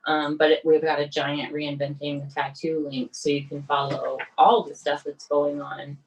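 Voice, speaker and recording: A chatty woman co-hosting a podcast, her voice sitting low for a woman. She talks casually and loosely, with plenty of "like". She sounds a little distant from the microphone. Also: little pitch movement, normal speed, dull audio. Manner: chatty, uses "like" a lot. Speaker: podcast co-host.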